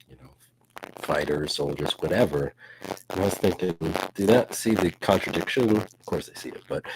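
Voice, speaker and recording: A man's voice: a bass voice, noisy background. A man talking over a remote video call, his audio fuzzy, buzzing and breaking up, speaking in an incredulous, questioning way. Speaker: guest. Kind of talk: casual discussion.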